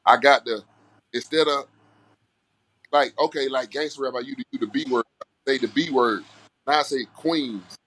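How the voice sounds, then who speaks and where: A man's voice: mid-range voice, moderate pace, pauses often, a bit bright. A man from Alabama with a Southern Black American accent, chatting casually and earnestly in a folksy way as an interview guest. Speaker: music artist guest.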